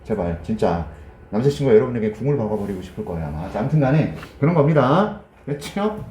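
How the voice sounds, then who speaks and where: Male teacher, lively classroom lecturer who banters and quizzes students; warm dark voice, roomy echo. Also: medium pitch, fast, a little hiss or hum. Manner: jokey, teasing, quizzes students in casual speech. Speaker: English grammar teacher.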